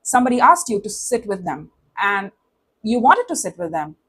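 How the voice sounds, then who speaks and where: A woman's voice: mid-range voice, big pitch swings, normal speed, fairly bright tone, a little hiss or hum, poor audio. A woman with a lisp and slushy s sounds, giving a casual, conversational tarot reading to viewers and often checking in with short tag questions. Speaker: tarot reader.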